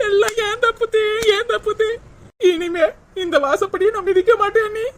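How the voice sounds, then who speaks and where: A humble young sister in a cartoon family drama, voiced by a woman. She pleads through tears in a very high, soft voice. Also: steady tone, moderate pace, a little hiss or hum. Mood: tearful pleading. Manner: pleading, tearful.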